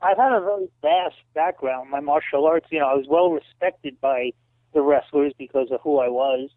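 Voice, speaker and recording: A man in his late fifties tells lively anecdotes as an interview guest, sprinkling in "you know" as he goes. His voice sits a little high for a man and comes through a thin, phone-like line with a completely dry sound. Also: normal speed, no echo. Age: 50s. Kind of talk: casual storytelling interview.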